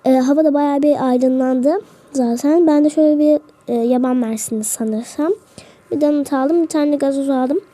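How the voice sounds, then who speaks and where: A woman's voice: high voice, steady tone, moderate pace, warm tone. A woman hosting a role-play vlog who chats straight to her viewers as she narrates. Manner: chatty, talks straight to viewers.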